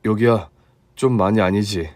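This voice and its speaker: A man doing a low, earnest young husband. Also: moderate pace, darkish tone, no room sound, natural voice. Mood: sheepish. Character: kind, diligent young husband, modest and earnest.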